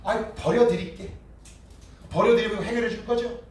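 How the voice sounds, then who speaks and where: A man's voice: extremely high pitch, quick pace, darkish tone, heavy reverb, recorded from a distance, slight background noise, pitched above the performer's own voice. A pastor voicing a desperate, impatient man who whines and pushes God to fix his problem. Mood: bargaining. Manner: whiny, pushy, impatient.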